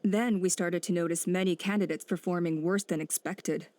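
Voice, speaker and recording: A woman voicing a composed tribal elder who speaks in a measured, formal way. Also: on the low side, fairly even intonation, darkish tone, no echo, lightly acted. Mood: explaining.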